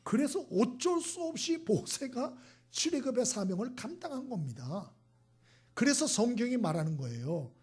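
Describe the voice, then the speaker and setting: A middle-aged male pastor preaching a sermon, asking rhetorical questions, acting out quick voices and sometimes dropping to a whisper. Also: sits high, a little mellow, breathy edge.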